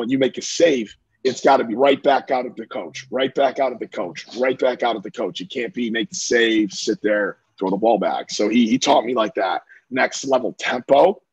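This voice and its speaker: Man from central new york, lacrosse coach, husky voice, dry sound. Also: medium pitch, no room sound, muffled recording. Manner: talkative, many fillers and restarts. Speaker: lacrosse coach, interview guest. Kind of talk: casual interview chat.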